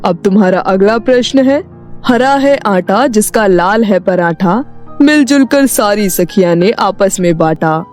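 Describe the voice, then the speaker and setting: A woman voicing a magical talking house, a formal and commanding riddle-setting gatekeeper in an animated story. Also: medium pitch, unhurried, lightly acted. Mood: riddling. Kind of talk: animated Hindi moral story acting. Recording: music behind the voice.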